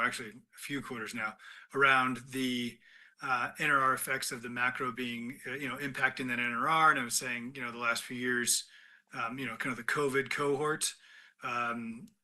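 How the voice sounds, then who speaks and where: A man's voice: medium pitch, pushed and bright. A man speaking as a finance executive on an earnings call, giving financial remarks and answering questions.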